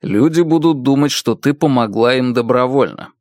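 A man voicing an unsmiling detective in an audiobook, speaking calmly and bluntly. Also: medium pitch, normal speed, dry recording, clean studio sound, close to an everyday voice. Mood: relentless. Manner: calm, level, unsmiling. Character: blunt calm male detective, unsmiling, relentless.

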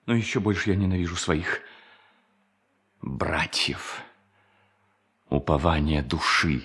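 An actor playing a tormented, self-loathing hermit preacher in a radio drama, declaiming theatrically and repeating words for emphasis. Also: male voice, low voice, slow pace, fairly bright tone. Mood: anguished, bitter. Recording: music behind the voice.

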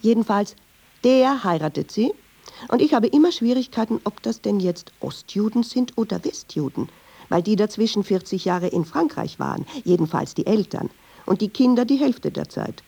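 A woman's voice: medium pitch, animated, moderate pace, creaky, dark tone, slightly rough. An actress playing a chatty, ironic Jewish woman who tells restless, digressive, insistent stories in a radio drama. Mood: ironic, musing. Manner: wry, digressive, insistent storytelling. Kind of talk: radio drama monologue in dialogue.

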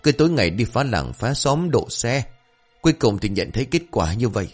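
A man's voice: medium pitch, sing-song, fairly quick, faint music behind. A man voicing a bold, gossipy village woman who scolds with a shake of her head. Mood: scolding.

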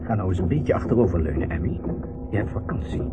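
An actor playing a stubborn, grumbling husband at the wheel who insists he is calm, in a Dutch radio play. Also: sits low, quick pace. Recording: muffled, noisy old radio recording.

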